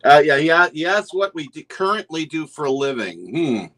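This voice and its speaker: A man's voice: a little high, very animated, moderate pace, fairly bright tone. Joking older man hosting a stream. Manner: teasing, dry jokes, hesitant restarts; reads viewer comments aloud. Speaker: stream host. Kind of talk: casual chat.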